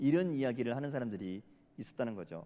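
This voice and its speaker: Very fast male speech in a dark, mellow tone, with very wide pitch swings. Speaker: pastor. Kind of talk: sermon.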